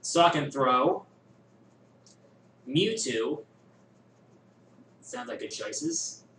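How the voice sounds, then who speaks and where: A man hosting a viewer question show, musing and thinking aloud with many pauses in casual chat. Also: medium pitch, a bit bright, far from the mic, a little hiss or hum. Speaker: host answering viewer questions. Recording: echoey room, voice a bit off-mic, faint ambience.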